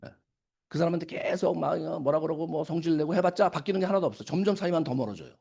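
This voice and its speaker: A middle-aged man lecturing at a business seminar. His voice sits high and his talk runs quickly. He keeps firing questions at his listeners and answers them himself, and he acts out scolding lines when he quotes people. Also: gravelly, warm tone. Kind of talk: lecture to an audience.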